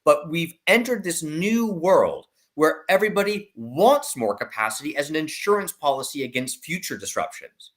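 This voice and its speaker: A man giving opinionated market commentary in an online discussion, emphatic and deliberate, laying out his points in lists. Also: on the high side, lively intonation, fairly bright tone. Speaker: investment analyst guest.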